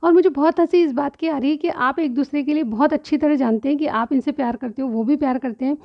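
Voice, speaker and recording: Tarot reader: woman, high chatty voice, slightly sore throat, dull lo-fi sound. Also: fast talker. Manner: chatty, keeps asking "theek hai?". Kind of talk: direct-to-viewer tarot reading.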